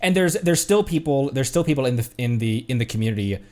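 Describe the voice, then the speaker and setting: A male streamer with a mid-pitched voice gives casual game commentary. He muses in a rambling way and often circles back to repeat a phrase. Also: animated, quick pace, a little mellow.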